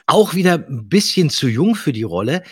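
A man co-hosting a relaxed podcast conversation who speaks emphatically and chimes in readily. His voice is lively and varied in pitch, with a slightly husky edge. The recording is dry. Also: normal speed, no room sound. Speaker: podcast co-host. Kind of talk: casual podcast discussion.

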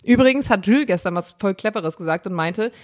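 A woman's voice: medium pitch, expressive, fairly quick. A woman co-hosting a podcast, telling an anecdote in a casual chat and acting out the dialogue in raised voices with frequent laughter, recorded in a hotel room. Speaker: podcast co-host.

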